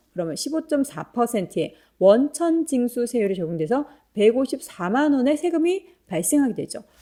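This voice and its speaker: A woman speaks at a high pitch in a dark, mellow tone. Her pitch swings very widely at a moderate pace. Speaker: finance YouTuber, news anchor. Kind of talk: finance explainer.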